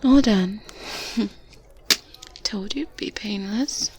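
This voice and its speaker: A woman playing a good witch in an ASMR roleplay, strict but kindly and gently teasing, in a breathy, soft whisper close to the microphone. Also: mid-range voice, natural voice. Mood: soothing, assured. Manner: slow, gentle, with murmured hums and soft chuckles. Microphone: close binaural microphone. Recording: close binaural mic with ambient background noise. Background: medieval ambience sounds.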